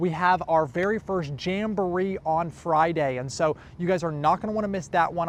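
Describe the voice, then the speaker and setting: Here a man with an American accent speaks in a high pitch. His tone is animated and his pace fairly quick. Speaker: local TV news reporter. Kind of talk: live stream news segment, casual. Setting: outdoors on location. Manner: casual with many fillers and self-corrections.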